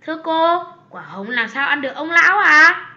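A woman voicing an eager, polite little schoolboy in a children's educational cartoon, chirpy and clear when reciting. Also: sits high, lively intonation, moderate pace, pushed and bright, reverberant, muffled recording, exaggerated voice. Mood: eager, puzzled.

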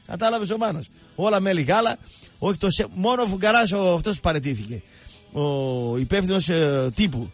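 A man's voice: high voice, soft background music. A male radio show host rambling through mocking, jokey sports banter.

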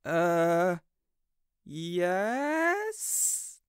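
A woman's voice: on the low side, big pitch swings, smooth, no room sound, studio quality, full character voice. A woman playing a hapless but stubborn, earnest underdog villain in an audio roleplay, speaking hesitantly. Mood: sheepish. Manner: hesitant, sighing, halting.

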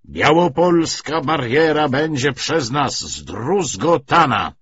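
A man's voice: on the high side, animated, slow pace, a bit bright, breathy edge, no echo, pitched above the performer's own voice, heavily acted. A man voicing a pompous communist commissar delivering a declamatory political lecture in an audiobook novel. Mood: pompous, triumphant. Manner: declamatory, rhetorical, emphatic. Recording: slightly dull, lo-fi audiobook recording.

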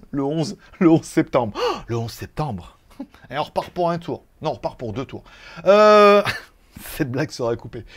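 A fairly high-voiced man from France hosting a laid-back live tech show. He rambles through news and asides, swears casually and laughs at his own jokes, talking straight into a desk mic. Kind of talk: casual live-stream chat.

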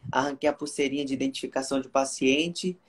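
A man's voice: mid-range voice, fairly even intonation, fast. Earnest Carioca man giving testimony. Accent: Carioca Brazilian Portuguese. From Rio de Janeiro, Brazil. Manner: earnest storytelling, reenacting dialogue. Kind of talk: emotional personal testimony.

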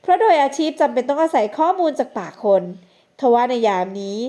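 High-voiced woman narrating a novel. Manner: measured, expressive storytelling. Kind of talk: scripted narration.

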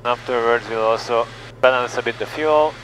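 A young man flying a small plane, narrating and reading back radio calls in a calm, methodical way over a headset mic in the cockpit. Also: mid-range voice, moderate pace, poor audio. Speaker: private pilot. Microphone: headset boom mic. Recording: engine noise through headset intercom.

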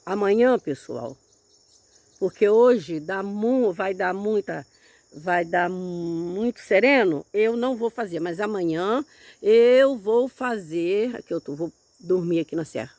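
A woman's voice: medium pitch, lively intonation, slow, darkish tone, no room sound. Chatty grandmother in her seventies. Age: 70s. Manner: chatty, folksy, keeps saying "look here", religious exclamations. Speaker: grandmother gardening vlogger. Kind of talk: casual chat while tending plants. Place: outdoors in a hillside garden.

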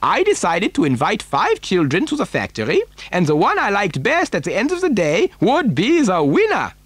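An eccentric chocolate factory boss from a children's storybook. His high voice swoops wildly with theatrical emphasis. He is imperious and excitable, recorded close and dry. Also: normal speed, slightly rough, no room sound, heavily acted. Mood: earnest, emphatic.

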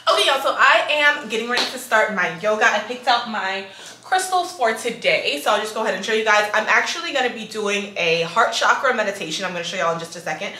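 A young woman, a bit hoarse from a cold, chatting casually to her viewers from her home kitchen. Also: medium pitch, lively intonation, quick pace, music in the background. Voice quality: raspy. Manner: chatty, addresses viewers as guys and y'all. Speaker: lifestyle vlogger. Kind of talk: casual chat to camera. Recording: echoey kitchen with faint noise.

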